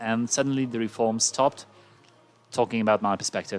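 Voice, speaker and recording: With music in the background, a man of medium pitch speaks in a Ukrainian accent. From Ukraine. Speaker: podcast co-host. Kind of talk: casual chat. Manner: halting.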